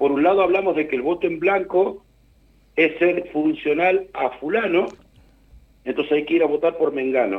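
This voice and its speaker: Keeping his loudness very even, a man with a high-pitched voice speaks with long, frequent pauses. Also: ordinary pitch variation, moderate pace. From Argentina. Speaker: political analyst. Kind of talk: political commentary.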